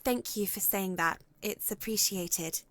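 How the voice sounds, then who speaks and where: A woman's voice: mid-range voice, a little slow, natural voice. An actress playing a reserved but resilient young woman in a visual novel, polite and tentative.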